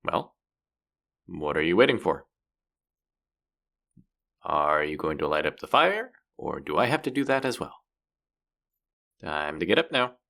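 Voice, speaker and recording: A man's voice: low-pitched, big pitch swings, a little slow, vocal fry, pauses often, a bit bright, full character voice. A man playing a cocky, bratty street-rat rogue in a fantasy roleplay audio drama, teasing and foul-mouthed as he talks straight to the listener. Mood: playful banter.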